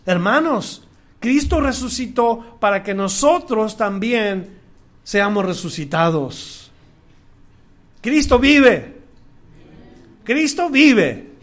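A man preaching a sermon as pastor, calling out to the congregation and swinging from soft asides to loud, drawn-out declarations. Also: high-pitched, very animated. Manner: draws out key words, swings from soft to loud.

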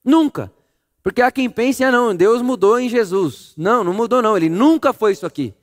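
Male preacher, high voice, expressive sermon, loud then hushed. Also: brisk. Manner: animated storytelling, acting out voices, swings between loud and hushed.

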